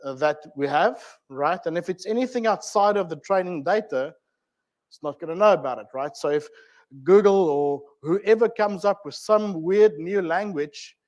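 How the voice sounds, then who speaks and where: South African man with a raised pitch giving a chatty tech talk. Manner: chatty, many ums and uhs, asides to the audience. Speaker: technical trainer giving a meetup talk. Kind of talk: informal tech presentation.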